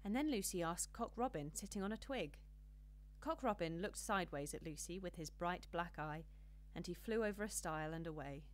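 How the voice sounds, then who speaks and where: A woman reading a children's storybook as an audiobook narrator, with an expressive, measured storytelling delivery. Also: on the low side.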